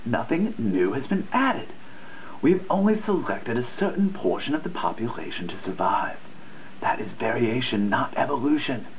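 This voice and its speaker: A man gives a dramatic reading of a dissertation, earnest and emphatic in a preachy way and occasionally stumbling over a word. His medium-pitched voice swings widely in pitch at a moderate pace. The sound is tinny and phone-like, with faint noise.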